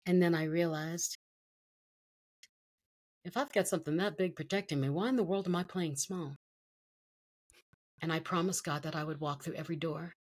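A woman's voice: deep voice, moderate pace, long pauses, darkish tone. A middle-aged woman telling her personal story as a guest in an interview, emotional and vivid, acting out what others said. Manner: emotional, storytelling with quoted voices.

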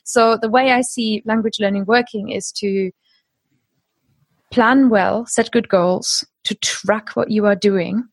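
A woman's voice: mid-range voice, fairly even intonation, slow pace, no echo. A woman in her thirties whose first language is German, chatting as a podcast guest, laughing often and restarting her phrases. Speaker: guest, language course creator. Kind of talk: conversational podcast interview.

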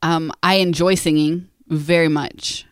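A woman's voice: low voice, steady tone, unhurried, no echo, clean studio sound. A woman in her late thirties co-hosting a podcast in a casual, conversational style. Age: 30s. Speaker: podcast co-host. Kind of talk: casual married-couple chat.

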